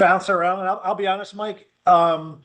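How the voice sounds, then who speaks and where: The background is quiet as a man talks very fast. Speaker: township planning reviewer. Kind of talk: public meeting discussion. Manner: animated.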